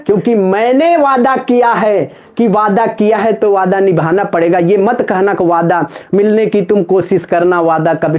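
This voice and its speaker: A high-pitched man runs a live online Sanskrit exam-prep class, chanting word forms in a sing-song rhythm. Playful throughout, he jokes and banters with viewers in the chat, and the sound is lo-fi.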